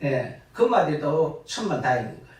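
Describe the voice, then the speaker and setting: A retired pastor, preaching a lively sermon full of laughing asides and sudden loud bursts. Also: male voice, on the high side, brisk. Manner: animated, laughing storytelling with sudden loud rises. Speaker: guest pastor. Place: church sanctuary. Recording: echoey church from far off.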